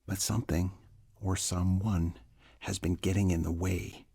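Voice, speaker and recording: An actor playing a weary, grave older prison warden in a video game, speaking with dramatic pauses in a gravelly, husky voice. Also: male voice, low voice, level tone, dark tone, exaggerated voice. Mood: weary, confiding. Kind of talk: dramatic game cutscene acting.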